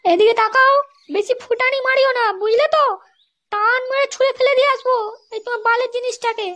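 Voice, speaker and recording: A performer voicing a sharp-tongued young wife in a comedy cartoon, crude and taunting, with a West Bengal accent and a pitched-up voice. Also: fairly even intonation, fairly quick. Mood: irritated. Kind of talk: amateur comedy cartoon dialogue.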